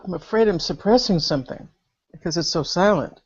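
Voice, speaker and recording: Female student, low voice, animated and laughing, muffled video-call audio. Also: brisk, slightly rough. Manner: laughs often, sighs, animated storytelling. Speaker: student at a spiritual gathering. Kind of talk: candid personal sharing. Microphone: remote video call.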